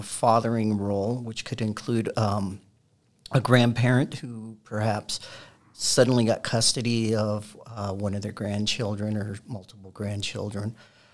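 A man with a plain, everyday voice speaks at medium pitch with big swings in loudness, in a very clean recording with a silent background. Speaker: program supervisor. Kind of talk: casual interview.

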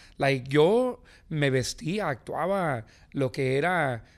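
A man's fairly high voice swings very widely in pitch. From Southern California, Venice Beach, son of Mexican immigrants. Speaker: record label founder. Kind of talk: interview, casual bilingual chat.

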